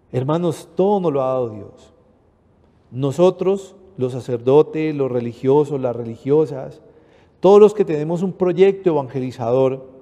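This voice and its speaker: A man's voice: on the high side, warm tone, in a large hall. A priest with a Panamanian accent giving an earnest sermon, often calling his listeners brothers. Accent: Panamanian Spanish.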